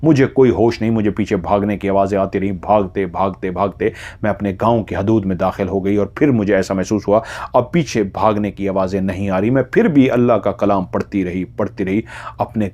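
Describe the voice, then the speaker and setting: Guy narrating a scary story, kinda low voice, dramatic, builds suspense by repeating bits. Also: brisk, a little mellow, highs cut off. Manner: suspenseful, repeats phrases for emphasis. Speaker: horror storyteller. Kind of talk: dramatic spoken horror narration.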